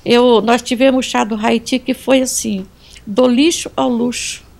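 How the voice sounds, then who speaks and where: A woman's voice: on the high side, fairly even intonation, unhurried, gravelly, darkish tone. A woman who owns an atelier, giving an earnest speech of thanks indoors and sprinkling it with religious phrases. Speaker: atelier owner, guest.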